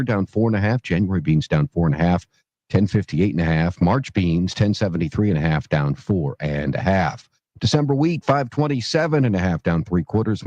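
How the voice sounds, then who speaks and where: A man with a deep, slightly rough voice reads stock prices for a radio market report. He goes through the figures in a clipped, scripted list. The sound is dry and a little dulled. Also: a little mellow, dry recording, dull audio.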